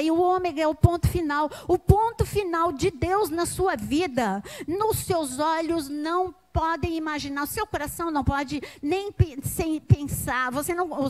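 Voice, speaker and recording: A woman preacher with a Brazilian Portuguese accent giving an impassioned sermon, swinging between hushed passages and near-shouting, repeating phrases for emphasis. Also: sits high.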